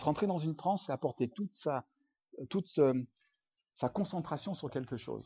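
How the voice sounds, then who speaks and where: A somewhat breathy male voice of fairly high pitch with ordinary pitch variation. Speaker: hypnotherapist and coach. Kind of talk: public hypnosis workshop talk. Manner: fast.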